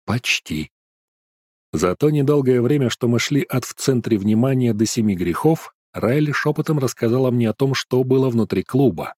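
A man reading a first-person fantasy novel aloud in a steady, even narration. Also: medium pitch, brisk, few pauses, no room sound, clean studio sound. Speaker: audiobook narrator.

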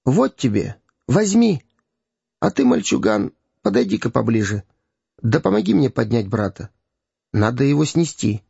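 A man voicing a kindly, pitying gentleman who speaks earnestly. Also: medium pitch, sing-song, moderate pace, creaky, slightly rough, dry recording, heavily acted. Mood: sympathetic. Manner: earnest and sympathetic. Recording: dull, dry lo-fi recording.

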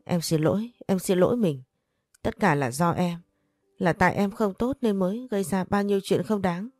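Sobbing, begging middle-aged wife, as a narrator puts her on, dark mellow voice, audio story. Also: on the low side, normal speed, no echo, soft background music, natural voice. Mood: pleading. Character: pleading middle-aged wife, tearful and desperate.

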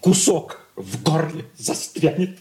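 A man's voice: a little high, takes it slowly, mellow, a little hiss or hum. An actor playing a bitter, sarcastic young man in a radio play, spiteful and mocking. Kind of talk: 1980s radio play acting.

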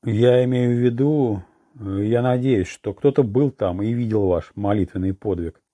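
A blunt, sarcastic police commissar in his middle years, as a male audiobook narrator puts him on. The voice sits low with a mellow, dark color. It is recorded dry and close, with no room sound. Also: a little fast, no echo, natural voice. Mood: gruff.

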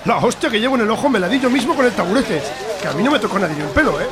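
Blustering Spanish barman, acted by a man, high-pitched, radio soap comedy, busy crowd noise behind. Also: animated, very fast. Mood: defensive, boastful. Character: blustering, slightly foolish Spanish bar owner, male.

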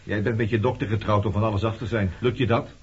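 A man's voice: fairly low pitch, fairly even intonation, fast, slightly rough. An actor playing a brooding former resistance man turned skipper, probing and bitter with an old lover in a radio play. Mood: insistent, reproachful. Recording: dull, noisy old radio play recording.

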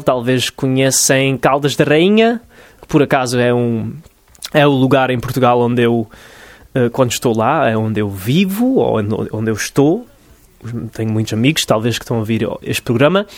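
A man from New Jersey, talking in Portuguese as a podcast host, reflective and full of pauses and restarts. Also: medium pitch, no room sound. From United States (New Jersey). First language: English. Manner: hesitant, many fillers and restarts, reflective. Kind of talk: casual solo podcast monologue.

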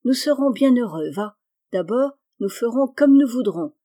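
A woman reading aloud, voicing a kind, patient young boy who coaxes and reasons gently. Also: on the high side, expressive, moderate pace. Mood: coaxing. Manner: coaxing, earnest pleading. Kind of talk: audiobook reading.

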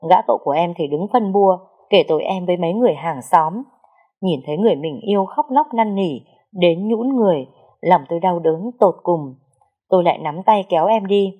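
A woman's voice: lowish voice, brisk, breathy edge, phone-quality sound. A woman narrating a sad first-person story in an emotional, lyrical way.

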